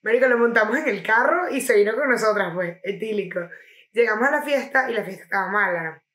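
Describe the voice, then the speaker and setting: A young Venezuelan woman co-hosting a podcast, telling stories in animated, slangy casual chat with plenty of swearing. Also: medium pitch, fast, echoey room. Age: young adult. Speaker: podcast co-host.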